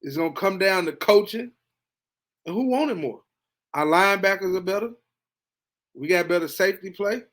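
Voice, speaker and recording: Guy doing a sports podcast rant, casual and hyped, goes from low muttering to loud high excited bits. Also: moderate pace, pauses often. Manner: animated, swings between low mutters and excited high bursts. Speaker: podcast host. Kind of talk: casual sports reaction monologue.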